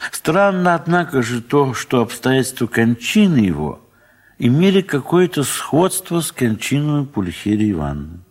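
A man narrating a classic story in a 1970s Soviet audio drama, in a dramatic literary style with measured, expressive pauses. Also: mid-range voice.

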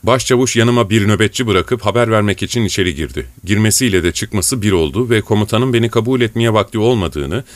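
A man reading an audiobook in a steady, measured narration. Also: on the low side, no room sound. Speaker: audiobook reader.

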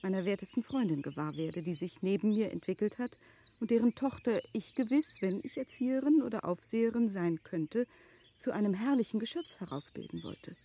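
A composed aristocratic wife played by an actress in a literary radio drama. Her voice is mellow and mid-pitched. She speaks formally and eloquently, weighing her phrases. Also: a little hiss or hum, close to an everyday voice. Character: composed, thoughtful aristocratic wife, no longer young.

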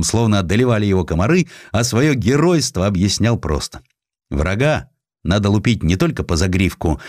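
A man reading a historical essay as an audiobook narrator, in an expressive, measured literary manner with distinct pauses. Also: lowish voice, no room sound, clean studio sound.

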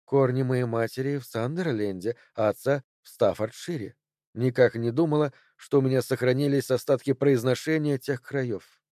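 Brief: poised, clever young woman, calm and measured, low mellow voice, dry sound, read by a male narrator. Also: dry recording, lightly acted. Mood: composed. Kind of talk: audiobook character voice.

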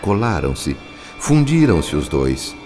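A man's voice: deep voice, big pitch swings, takes it slowly, full character voice. A man with a Brazilian accent giving solemn, formal scripted narration for a radio drama. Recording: faint music behind the voice.

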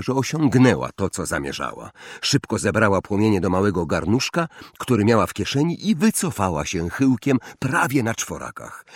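A man narrating an audiobook with expressive, dramatic storytelling. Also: lowish voice, breathy edge, no echo, studio quality. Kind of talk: audiobook reading.

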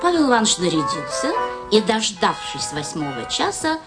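A woman narrating a literary story in a radio play, in an expressive storytelling manner. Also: medium pitch, moderate pace. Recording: radio play with music underneath.

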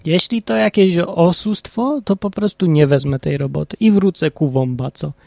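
A man voicing a naive young highland farmhand who speaks earnestly in a Polish highlander dialect. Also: moderate pace, vocal fry, a little mellow, no echo.

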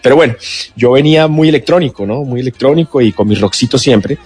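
Chatty Colombian actor, radio interview. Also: male voice, medium pitch, fast, slightly rough. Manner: relaxed, chatty, with many restarts and laughs. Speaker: guest actor. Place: radio studio.

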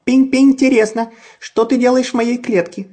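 A fussy little storybook hen chirps and stammers in a very high, squeaky voice. She chatters fast and scolds in bright bursts, and her tone sits dark and husky underneath. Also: little pitch movement. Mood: chirpy scolding.

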